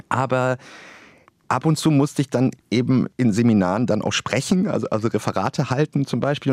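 A man's voice: mid-range voice, a little mellow, no echo, studio quality. A man who stutters, repeating words and restarting sentences, speaking reflectively as a guest in an interview.

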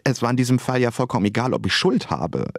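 A man's voice: mid-range voice, very animated, fast, creaky, dry recording, clean studio sound. A man in his forties from northern Germany, a stuttering author speaking reflectively in a radio interview. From Bremerhaven, Germany. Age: 40s. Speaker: author and journalist guest.

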